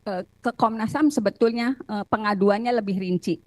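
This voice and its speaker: An Indonesian woman giving courtroom testimony as a witness and lawyer, recounting details haltingly with repeated phrases. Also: medium pitch, a little mellow, no room sound. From Cirebon, Indonesia.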